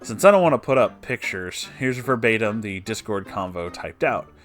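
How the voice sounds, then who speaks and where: A man's voice: lowish voice, animated, moderate pace, fairly bright tone, faint music behind. A man narrator reading a written personal story aloud, with brief asides of his own. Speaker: narrator reading online stories.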